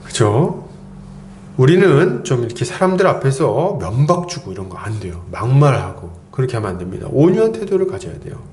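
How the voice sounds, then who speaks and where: A man's voice: mid-range voice, very animated, fairly quick, a little mellow, a little hiss or hum. A man preaching a sermon in a chatty way, acting out quoted lines and often chuckling. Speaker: pastor.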